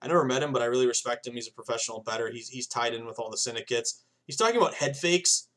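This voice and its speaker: A man's voice: medium pitch, animated, very fast, fairly bright tone. Rambling male sports betting podcaster. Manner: rambling, filler-heavy, addresses listeners as guys. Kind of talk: casual solo podcast monologue.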